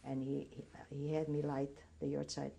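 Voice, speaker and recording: Older woman with a low gravelly voice. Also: flat delivery, warm tone. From Greece. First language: Greek. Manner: reminiscing, halting with restarts. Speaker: interviewee. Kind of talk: oral history interview.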